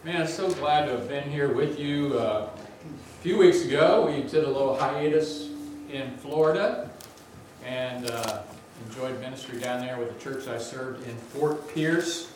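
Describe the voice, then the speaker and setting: A man with a big voice preaching a sermon as a guest preacher, energetic and conversational, with asides to the congregation. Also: medium pitch, a little slow, noisy background. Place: large church sanctuary. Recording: very echoey church from a distance.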